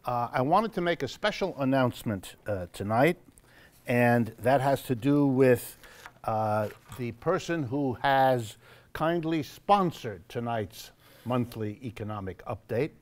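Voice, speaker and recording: Man, event host, live announcements, measured, wry, pauses and fillers, church hall audience. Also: medium pitch, expressive. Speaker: host of a monthly lecture event.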